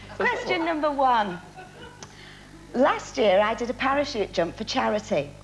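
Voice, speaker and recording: Over music in the background, a woman speaks at a moderate pace and fairly high pitch, with very wide pitch swings and long, frequent pauses. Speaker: dating show contestant. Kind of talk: game show questions.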